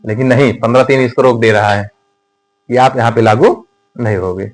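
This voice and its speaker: Man, teacher, classroom lecture, conversational, rhetorical questions, medium pitch. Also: fairly even intonation, rough recording. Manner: conversational, asks rhetorical questions, dictates slowly.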